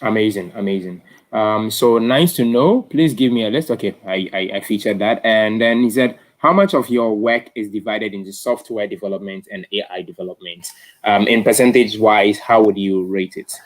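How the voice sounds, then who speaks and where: Low-pitched man hosting a live stream. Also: normal speed. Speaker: host of an online tech talk.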